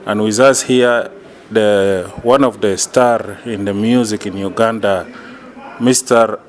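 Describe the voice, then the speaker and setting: A man conducting an interview, speaking in halting, simple phrases. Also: lowish voice, steady tone. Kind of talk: on-location interview.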